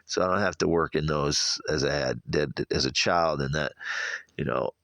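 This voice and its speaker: Middle aged midwest american guy, super deep gravelly voice, stuffed up from allergies, rambling and halting, dry sound. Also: fairly bright tone, dry recording. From Iowa, United States. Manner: halting, repetitive, self-correcting. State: congested from ragweed allergy. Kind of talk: rambling personal monologue.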